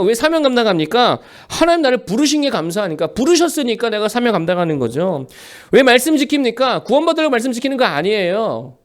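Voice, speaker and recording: A man in his forties preaching a sermon as a pastor, emphatic and animated, asking rhetorical questions. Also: high voice.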